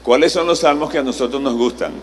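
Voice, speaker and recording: A man's voice: medium pitch, fast. A male pastor preaching a sermon in a conversational way, posing rhetorical questions to the congregation. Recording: live sermon in a reverberant hall, faint noise.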